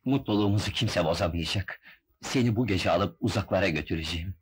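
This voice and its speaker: An actor playing a middle-aged husband, tender, secretive and reassuring, in an old melodrama film. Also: male voice, sits low, quick pace, husky.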